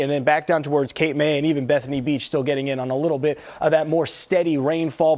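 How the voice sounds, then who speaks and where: A man's voice: on the high side, darkish tone. An American man presenting a live weather forecast as a TV meteorologist, talking in a conversational, explanatory way.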